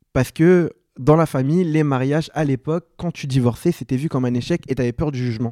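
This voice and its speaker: A man speaks at a fairly high pitch and a fairly quick pace in a dark, mellow tone, with fairly even intonation and a dry, close sound with no echo. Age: 20s. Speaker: podcast guest, friend of the host. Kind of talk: casual chat.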